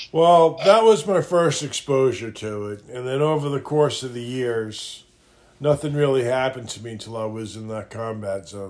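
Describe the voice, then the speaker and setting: At a moderate pace, a man with an American accent speaks in an unremarkable speaking voice at a medium pitch, his intonation lively and his loudness swinging widely. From Long Island, New York. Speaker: paranormal podcast co-host. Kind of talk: casual chat.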